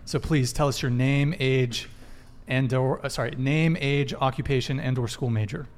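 A man's voice: medium pitch, fairly even intonation, normal speed. A male podcast host running a live panel chat. He jokes and teases his guests in a loose, rambling way, and his voice sits in the middle range. The talk is casual and unscripted. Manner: joking, teasing, rambling with restarts.

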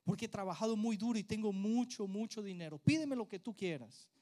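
A proud businessman father who talks big and insists over and over that money is no object, acted out by a preacher mid-sermon. His voice sits high and rings out loudly. It is a quick story-voice, close to the preacher's own. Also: close to an everyday voice. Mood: boastful. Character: boastful wealthy businessman father, eager to please.

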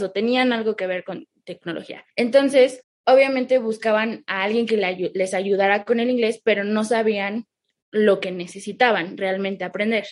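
Woman chatting as an interview guest. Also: mid-range voice. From grew up in McAllen, Texas, United States, with Mexican parents. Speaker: interview guest, online English teacher. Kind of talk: casual conversational interview.

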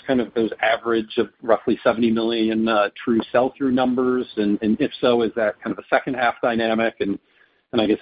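A male financial analyst asking questions on an earnings call. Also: mid-range voice. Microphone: conference call line. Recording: husky, slightly dull call audio.

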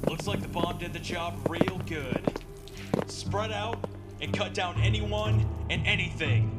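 A man's voice: sits high, fairly even intonation, unhurried. An actor playing a menacing 1940s gang henchman in a pulp radio drama, with tough, slangy gangster talk. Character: menacing male 1940s mob henchman leader. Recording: loud music over dramatic audio.

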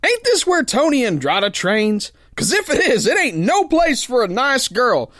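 A man's voice: extremely high pitch, huge pitch swings, a little slow, fairly bright tone, no echo, clean studio sound, full character voice. A man playing a tough, cocky, uneducated sailor boxer who tells his yarn in folksy slang for a radio drama. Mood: wary. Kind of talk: pulp radio drama narration and dialogue.

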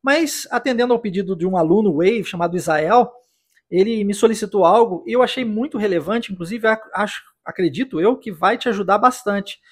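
A man teaching English pronunciation in a podcast lesson, drilling phrases slowly for the listener to repeat. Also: high-pitched, husky. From United States.

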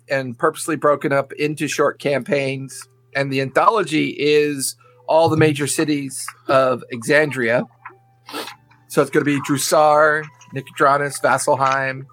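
A man's voice: medium pitch, fairly bright tone, rough recording. A man hosting a tabletop game show who gives casual announcements and rambles with frequent ums and uhs. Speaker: game master and host.

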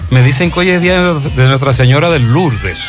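A man's voice: mid-range voice, animated, normal speed, faint music behind. A man with a Dominican accent hosting a live radio show, chatting and reading out greetings. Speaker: radio morning show host.

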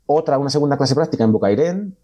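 A man's voice: medium pitch, animated, quick pace, warm tone. A man presenting a weekend bullfighting agenda on a talk show, listing names and places steadily with small hesitations.

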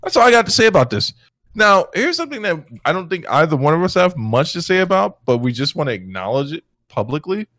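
A man's voice: fairly high pitch, sing-song, quick pace, fairly bright tone, dry recording, studio quality. A man co-hosting a casual gaming chat, teasing his partner and laughing often. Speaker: podcast co-host.

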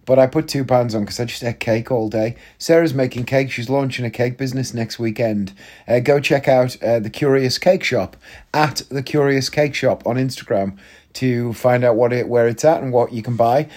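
A man's voice: mid-range voice, normal speed, darkish tone. A man hosting a podcast, talking in a chatty, blunt and jokey way, often rambling with restarts. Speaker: podcast host. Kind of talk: casual chat monologue.

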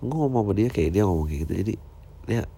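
Dark mellow low voice, guy in his 30s, comedian chatting loose, swears a lot. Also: lively intonation, fast talker, husky. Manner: slangy, mixes in English phrases, swears casually. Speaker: stand-up comedian. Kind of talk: casual reflective chat.

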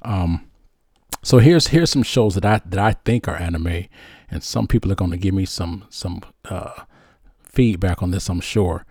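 A man's voice: sits low, a little slow, darkish tone, breathy edge, no room sound, studio quality. A man hosting a show, reading viewer questions and chatting in an upbeat, casual way with frequent restarts. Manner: upbeat, many restarts and fillers. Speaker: host.

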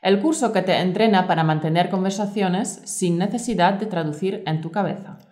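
Measured female teacher. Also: lowish voice, darkish tone. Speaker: Spanish teacher, podcast co-host. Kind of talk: scripted course presentation.

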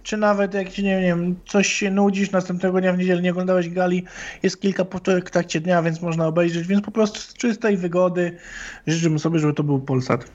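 High-pitched guy, blunt and teasing, kinda muffled lo-fi sound. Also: steady tone, fairly quick, darkish tone. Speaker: podcast co-host. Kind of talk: casual chat. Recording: dull lo-fi sound.

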